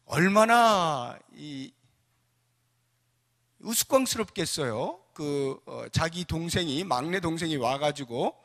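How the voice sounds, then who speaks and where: A male pastor preaching a sermon in a church sanctuary. He is animated, swinging from soft asides to fervent exclamations as he acts out scripture characters. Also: on the high side, slow pace, big-room sound.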